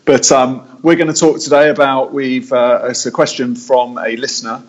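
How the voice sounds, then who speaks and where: A man's voice: medium pitch, level tone, normal speed, lo-fi sound. A man hosting a casual technical podcast, talking in a conversational, explanatory way from an echoey meeting room. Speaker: podcast host and audio engineer.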